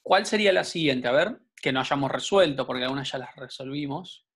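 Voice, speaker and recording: A man's voice: medium pitch, a little fast, a bit bright, husky. A man, teaching an online programming class patiently, checking in with students often. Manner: patient, explanatory, frequent check-ins with students.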